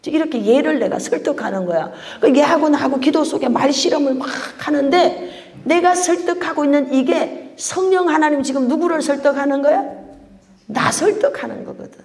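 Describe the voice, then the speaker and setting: A woman's voice: high-pitched, normal speed, darkish tone. A woman pastor teaching a sermon on Bible reading, acting out prayers and dialogues and laughing often. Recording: echoey reverberant hall.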